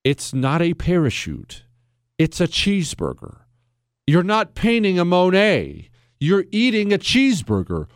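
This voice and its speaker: A man hosting a talk show with a fairly high, swooping voice that leaps up and down. He talks in a mocking, self-admiring way, and his voice sounds dry and close to the mic. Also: huge pitch swings, a little slow, no echo. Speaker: political talk show host. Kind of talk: sarcastic monologue.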